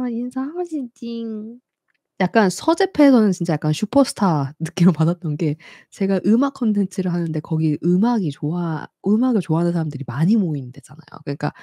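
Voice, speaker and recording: A woman's voice: mid-range voice, no room sound, studio quality. A young woman hosting a casual live stream, telling stories with frequent laughs and acting out the people she met. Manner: lively, laughs often, acts out quoted people. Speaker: YouTube host.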